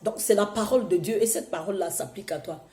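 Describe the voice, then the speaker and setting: A woman preaching a sermon, hoarse from a cold, exhorting her listeners with emphatic repetition. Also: medium pitch, quick pace, mellow, echoey room.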